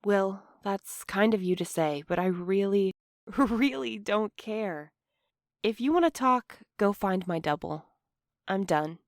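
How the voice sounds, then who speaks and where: A woman's voice: medium pitch, lively intonation, slow, no echo, studio quality. An actress playing a betrayed woman in an audio drama, weary, cold and sardonic. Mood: dismissive, sardonic. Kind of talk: scripted audio drama dialogue.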